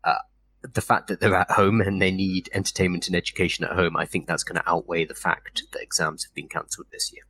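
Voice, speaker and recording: British co-host, South London lilt, low and husky, slight lisp, laid-back explainer. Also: male voice, level tone, quick pace, bright, forceful tone. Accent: British English, South London tinge. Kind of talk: casual live-stream chat.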